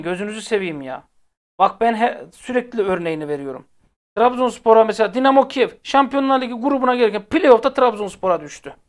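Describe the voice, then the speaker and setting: A man hosting a football fan channel, ranting casually to viewers in a blunt, exasperated way and repeating phrases for emphasis. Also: extremely high pitch. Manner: speaks directly to viewers, blunt and heated.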